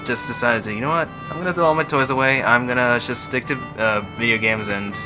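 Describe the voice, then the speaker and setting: A man giving a casual, halting account of himself in an interview. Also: mid-range voice, music in the background.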